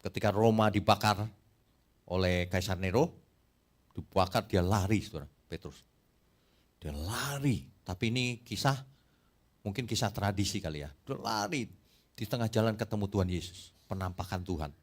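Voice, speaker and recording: A man's voice: lowish voice, normal speed, pauses often. A middle-aged male pastor preaching a sermon, telling stories and acting out the quotes. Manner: lively storytelling with acted-out quotes.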